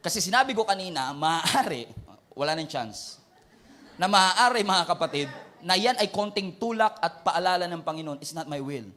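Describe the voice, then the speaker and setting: A male pastor with a Filipino accent preaching a sermon, mixing Tagalog and English, loud and emphatic. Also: high voice, expressive, moderate pace.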